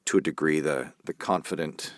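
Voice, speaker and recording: A man speaking as an interviewed voice actor, chatting reflectively in a halting, thoughtful way. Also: very deep voice, no room sound, studio quality.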